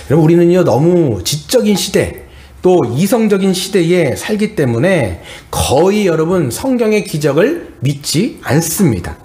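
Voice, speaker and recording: A man's voice: fairly high pitch, darkish tone. A middle-aged male pastor preaching a sermon, earnestly and often turning to address the congregation.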